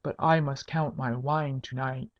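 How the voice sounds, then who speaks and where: A blustering, jovial old medieval baron, acted out by a woman narrator, pitched low and full of roguish heartiness. He exclaims like a storybook father, on a slightly dull, lo-fi recording. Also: steady tone, measured pace. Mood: muttering. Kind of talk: humorous storybook character voice.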